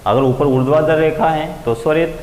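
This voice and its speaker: A man's voice: fairly even intonation, fairly quick, a little mellow. Male teacher, careful step-by-step lecture, roomy reverb, faint background hiss. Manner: explains step by step, raising pitch to stress key terms. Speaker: Sanskrit grammar teacher. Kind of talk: classroom lecture. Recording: echoey room with long reverb, faint ambient noise.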